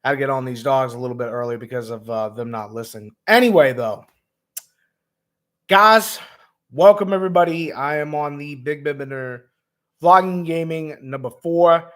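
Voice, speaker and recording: A man who is hoarse and raspy, hosting a laid-back gaming vlog livestream with lots of ums, talking to viewers as man and bro. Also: medium pitch, normal speed. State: hoarse, lost voice. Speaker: gaming vlogger host. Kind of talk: casual livestream chat.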